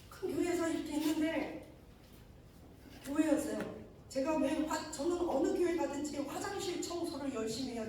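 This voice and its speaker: A woman's voice: high voice, darkish tone, a little hiss or hum. A middle-aged woman preacher giving an emotional sermon testimony, telling her story and acting out the dialogues in it. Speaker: preacher and mission leader. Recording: echoey hall from far off.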